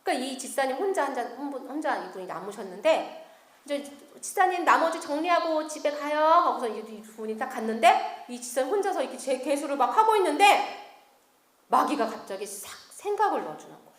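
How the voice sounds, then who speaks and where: A woman missionary giving an animated testimony sermon in a church meeting hall, quizzing her audience as she tells her story. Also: high-pitched, brisk. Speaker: missionary preacher. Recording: echoey hall.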